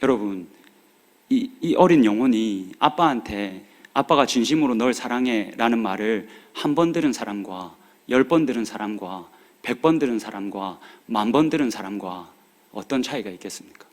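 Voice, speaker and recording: A man's voice: lowish voice, animated, moderate pace. A man in his forties, a pastor preaching a sermon, urging and pleading with his congregation in a regional dialect. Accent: Korean regional dialect. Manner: earnest, pleading exhortation with rising urgency. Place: church sanctuary. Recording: long hall reverb of a church.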